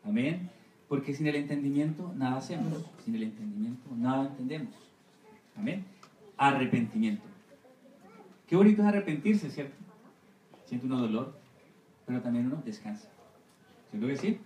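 A missionary pastor giving a Sunday school sermon, often asking the congregation for agreement with amen and right. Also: male voice, mid-range voice, lively intonation, moderate pace, long pauses, mellow, far from the mic, slight background noise. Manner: asks the congregation for assent, repeating amen and right. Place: church hall. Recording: echoey room, voice from off-mic.

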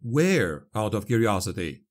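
A man's voice: on the low side, big pitch swings, unhurried. A man voicing a nervous human male adventurer in a fantasy audiobook, questioning those around him. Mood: nervous, wry.

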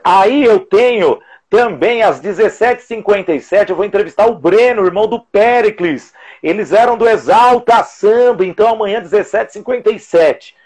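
A man's voice: high-pitched, moderate pace, a little mellow, breathy edge. A man in his forties with a Brazilian Portuguese accent, hosting a casual live interview over a video call with earphones at home. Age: 40s. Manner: chatty, jokey, announces schedule. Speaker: live show host. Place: room at home. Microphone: earphones with mic on video call.

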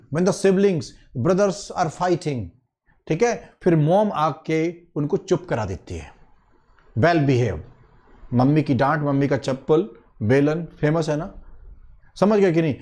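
Teaching English idioms for bank exam preparation in an online lecture, an Indian-accented man mixes Hindi with English. He goes over phrases slowly more than once and checks that students are following. His voice sits fairly high and sounds mellow.

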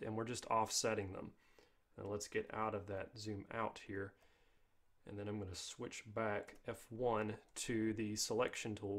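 A man with a medium-pitched voice hosts a casual software tutorial. He explains things step by step in an informal, conversational way. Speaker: tutorial host.

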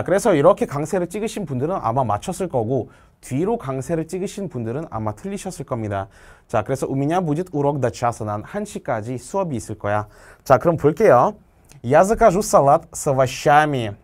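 A male language teacher explaining exam answers step by step, asking questions and answering them himself, and reading example sentences slowly. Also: medium pitch. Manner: reads Russian example sentences slowly and clearly.

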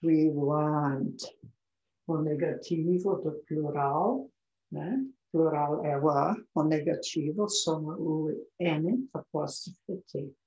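Slow, low-voiced woman teaching English. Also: dark tone, echoey room, lo-fi sound. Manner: repeats English phrases slowly between Portuguese explanations. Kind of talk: language lesson.

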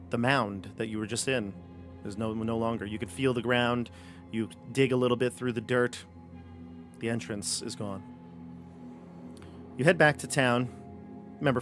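Over a video call from a room at home, a man with a mid-range, slightly bright voice runs a tabletop game as game master through a headset. His narration is loose, rambling, and easygoing, with lots of fillers.

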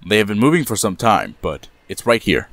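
An actor playing a deferential aide in an audio drama, formal and dryly polite. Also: male voice, on the low side, very animated, brisk, background noise. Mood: formal, urgent. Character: Roland, deferential, formal male aide to boss.

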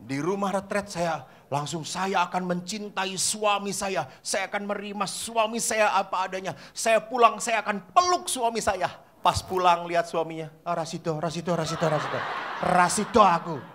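A middle-aged Catholic priest, giving an animated sermon that acts out voices and quizzes the congregation. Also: male voice, high voice, moderate pace, hardly any pauses. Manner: animated storyteller acting out voices and asking the audience questions. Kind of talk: lively sermon to a live congregation.

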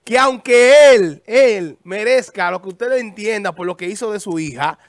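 A man's voice: sits high, unhurried. A Dominican man on a talk show panel, arguing and pressing the same question again and again. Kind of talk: heated studio debate.

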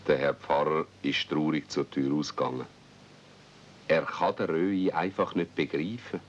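Very deep-voiced Swiss German storyteller, male. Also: fairly even intonation, moderate pace, a little hiss or hum. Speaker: narrator. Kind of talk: scripted radio-play storytelling in dialect. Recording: dull 1970s radio-play recording.

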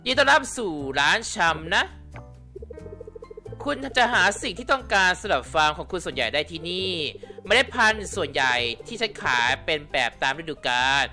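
A man's voice: high-pitched, big pitch swings, normal speed, sharp tone, soft background music, heavily acted. A man reading aloud the lines of a polite shopkeeper in a farming video game, in a courteous, explaining way.

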